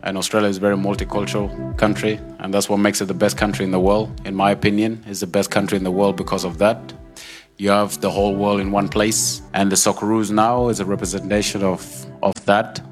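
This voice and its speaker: A man's voice: fairly low pitch, flat delivery, brisk. A man, a footballer, giving a reflective answer in an interview. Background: music.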